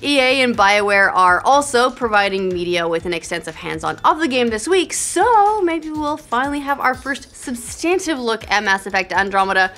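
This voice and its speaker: Young woman, news host, upbeat jokey asides, slightly high voice, faint music behind. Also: big pitch swings, moderate pace, few pauses, fairly bright tone. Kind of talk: scripted gaming news read with asides.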